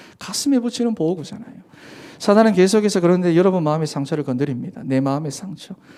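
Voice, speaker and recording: Talking at a very fast pace, a man uses a high pitch and lively intonation in a dark, mellow tone. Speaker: pastor. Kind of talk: sermon. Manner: animated.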